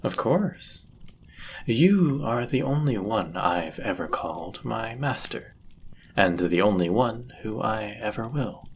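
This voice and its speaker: Man voicing a slow, low-voiced, devoted demon. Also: animated, gravelly, a little hiss or hum, exaggerated voice. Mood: reverent, pleased. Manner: formal, archaic, theatrical phrasing. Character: powerful male demon, devoted, possessive, jealous servant. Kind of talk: scripted romantic fantasy audio roleplay.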